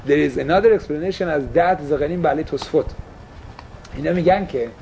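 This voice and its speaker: A man's voice: fairly high pitch, vocal fry, warm tone, slight background noise. A man teaching a casual religious class, asking his listeners questions and slipping English phrases into his talk.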